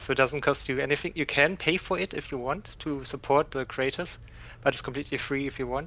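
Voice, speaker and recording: Fairly quick and fairly high in pitch, a man talks with vocal fry and ordinary pitch variation. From Germany. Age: 20s. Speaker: computer science student and hobby artist. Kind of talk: interview. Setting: voice call. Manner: halting, many fillers.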